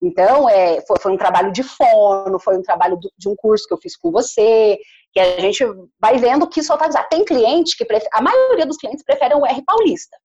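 Female, caipira country accent of northern Paraná, conversational and emphatic, slightly husky, higher-pitched. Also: big pitch swings, moderate pace, a little mellow, highs cut off. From Paraná, Brazil. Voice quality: good clear diction. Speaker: commercial voice-over artist. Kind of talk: casual conversational interview.

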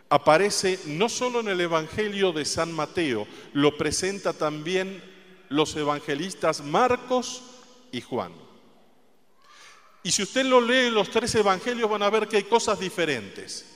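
Slow-speaking preacher man in a reverberant hall. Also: sits high, lively intonation. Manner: slow, deliberate, soft emphasis on quoted words. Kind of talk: sermon. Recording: long reverb of a large hall.

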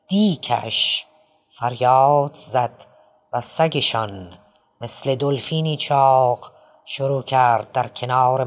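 A man reading a novel aloud as an audiobook narrator, expressive, lifting his voice for quoted lines. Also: medium pitch.

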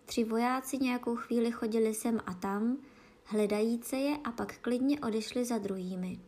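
Storyteller, woman, calm storybook narration, slightly high voice. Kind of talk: children's storybook reading.

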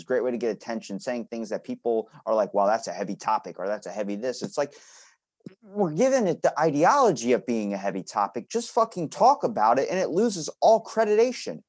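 A man's voice: mid-range voice, very animated, brisk, a little mellow. A man hosting a podcast, chatting casually and bluntly with loose, sweary, conversational delivery. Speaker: podcast host.

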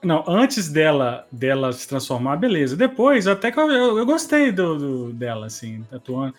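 A man's voice: fairly high pitch, very animated, normal speed, faint music behind. A man with a Brazilian accent chatting in a podcast, exasperated and full of slang. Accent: Brazilian Portuguese. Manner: exasperated, repeats "velho". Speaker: podcast co-host. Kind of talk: casual podcast chat.

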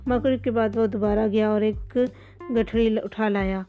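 A woman reading a children's story aloud in a calm, steady way. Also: medium pitch, narrow, tinny audio, soft background music. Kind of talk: storybook narration.

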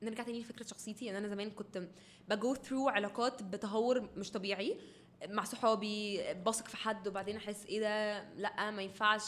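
A woman's voice: mid-range voice, fairly even intonation, fast, fairly bright tone, a little hiss or hum. A woman with an Egyptian accent chatting casually as a podcast guest, in Arabic with the odd English word dropped in. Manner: mostly Arabic with occasional English words. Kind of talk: casual personal chat. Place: indoor podcast recording.

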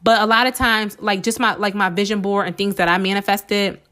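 Hoarse woman giving chatty encouragement. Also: medium pitch, fairly even intonation, brisk, pushed and bright. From United States. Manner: chatty and encouraging, many "um"s, addresses listeners as "y'all". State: slightly hoarse, losing her voice from a cold. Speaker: podcast host. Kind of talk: casual solo motivational podcast talk.

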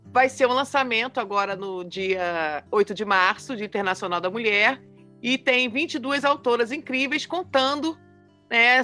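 Bright-voiced woman podcast host. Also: a little high. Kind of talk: interview podcast.

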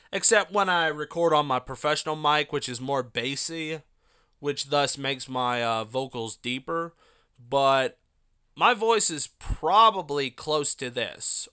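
This young man's smooth, medium-pitched voice sounds pushed and bright as he hosts his solo podcast. He rambles casually, with plenty of fillers and tangents.

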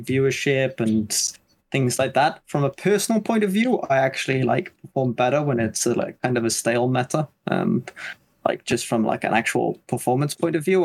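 A man guesting on a gaming podcast in casual chat, with dry sarcastic humor. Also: mid-range voice.

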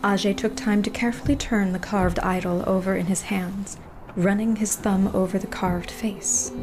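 A woman narrating horror fiction as game master, with measured, suspenseful storytelling. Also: mid-range voice, fairly even intonation, background noise. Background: music.

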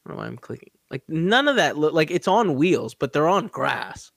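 A man's voice: on the high side, big pitch swings, normal speed, gravelly, a bit bright, no room sound, clean studio sound. A man co-hosting a podcast, talking animatedly and pushing his point, swearing and restarting sentences. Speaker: podcast co-host. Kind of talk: casual chat.

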